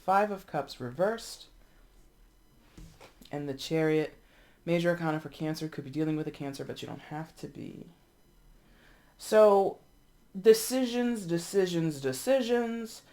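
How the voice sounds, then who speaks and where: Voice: medium pitch, lively intonation, unhurried, pauses often, a little mellow. Stuffed-up tarot reader, thirties, chatty and blunt, swears a bit, says stuff like go go go. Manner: blunt and chatty, swears, repeats words for emphasis. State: congested, sniffling. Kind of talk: casual tarot reading.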